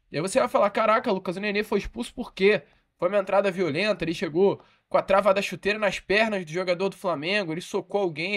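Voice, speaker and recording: A man's voice: extremely high pitch, fairly bright tone. A man from Brazil hosting a football channel, giving indignant, emphatic commentary. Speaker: sports channel host.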